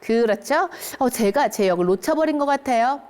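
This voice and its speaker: A woman teaching English phrases to older learners, speaking them slowly and clearly and checking in often with her listeners. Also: a little high, slight background noise. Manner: lively, encouraging, keeps checking in with listeners. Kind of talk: English lesson for seniors.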